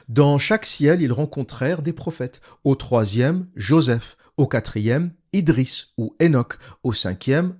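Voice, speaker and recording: A man in the middle of his range speaks, neither high nor low. He reads a passage and keeps stopping to explain and gloss it. His asides sound dry and sardonic. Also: darkish tone. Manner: explanatory, restating terms. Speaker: video commentator. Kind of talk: critical commentary reading and glossing a text.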